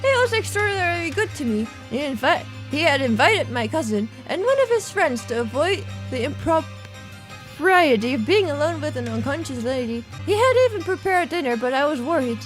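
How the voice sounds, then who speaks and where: Woman reading as a prim high-voiced young gentlewoman. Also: big pitch swings, faint music behind, low-quality recording. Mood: earnest storytelling. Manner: formal, measured, storytelling. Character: prim, long-suffering young gentlewoman recounting her ordeal.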